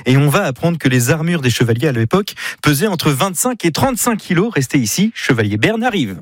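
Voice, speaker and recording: A man's voice: a little high, animated, brisk. A man presenting live radio links between programme segments and songs. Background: music.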